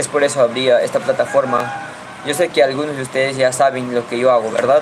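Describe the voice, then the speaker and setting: A man speaks at medium pitch and a fairly quick pace. His pitch varies in an ordinary way over noticeable background noise. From Peru, central jungle (Asháninka). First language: Asháninka (speaking Spanish). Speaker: content creator, livestreamer. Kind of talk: casual livestream chat.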